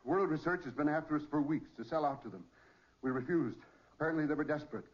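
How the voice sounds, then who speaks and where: A doomed amateur inventor, acted by a man, speaks with grave urgency in 1940s radio style. His voice is slightly high and husky, and the old recording is dull. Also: fast talker, lightly acted. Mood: grave, urgent.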